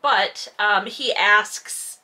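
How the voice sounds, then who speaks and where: A woman's voice: medium pitch, very slow, pushed and bright. A woman hosting a casual read-along, giving mocking, exasperated commentary on a novel with sarcasm and some swearing. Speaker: host reading a novel aloud with commentary.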